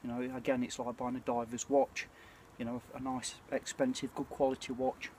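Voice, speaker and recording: A British man in his forties chatting casually and reflectively to camera, with a hesitant, throat-clearing delivery. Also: medium pitch, flat delivery, normal speed, darkish tone. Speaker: bushcraft vlogger. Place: outdoors at night by a small campfire. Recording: clear ambient noise of an outdoor campfire.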